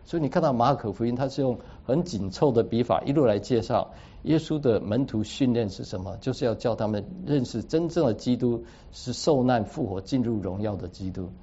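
A man's voice: medium pitch, expressive, brisk, few pauses, mellow, slight background noise. A man preaching a sermon, teaching through a Bible passage in an explanatory way and dropping English words into his speech. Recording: dull lo-fi recording.

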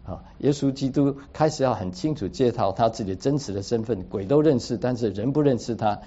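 Brisk and mellow, this man's husky mid-range voice carries a sermon that explains a Bible passage, with English words mixed into his speech. The audio has a dull, lo-fi quality.

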